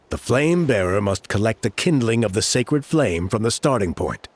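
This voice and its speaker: A man voicing a composed tribal guide in a video game, patiently explaining the steps of a sacred rite. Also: medium pitch. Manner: patient, explanatory, with a wry chuckle. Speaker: ceremony guide.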